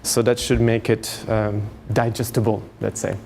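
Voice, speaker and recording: Halting male lecturer with background noise. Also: on the low side, flat delivery, vocal fry, a little mellow. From France, grew up in Canada. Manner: hesitant, halting, explanatory. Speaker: university lecturer. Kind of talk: seminar lecture, informal introduction.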